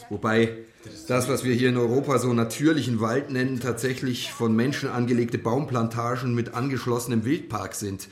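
In a roomy, echoing space, an actor plays a male environmental activist giving a talk in a radio crime drama. His mid-pitched voice explains things with dry wit and firm opinions. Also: close to an everyday voice. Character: engaged male environmental activist lecturing youth campers.

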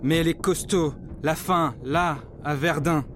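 War veteran, raised pitch, agitated, emphatic, radio drama, music and artillery noise behind. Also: male voice, fairly even intonation, unhurried, fairly bright tone. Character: agitated French male war veteran recalling horrors. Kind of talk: dramatic monologue in a radio play.

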